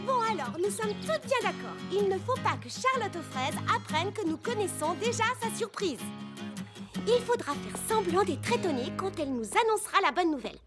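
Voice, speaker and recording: A woman voicing a bossy, theatrical, excitable girl with a dramatic, instructing manner in a French-dubbed children's cartoon. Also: very high voice, normal speed, over music. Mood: bossy, directing.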